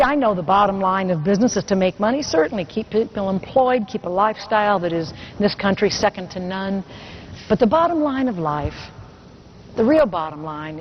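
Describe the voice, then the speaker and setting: A woman's voice: medium pitch, a little hiss or hum. Woman telling earnest stories on a lo-fi recording. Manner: earnest storytelling with rhetorical questions to the audience. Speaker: motivational speaker. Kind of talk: motivational keynote speech.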